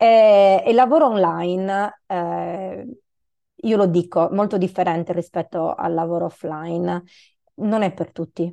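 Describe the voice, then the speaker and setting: A woman talks very slowly at medium pitch with ordinary pitch variation. The background is quiet. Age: 40s. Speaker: business mentor. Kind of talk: casual chat. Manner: animated.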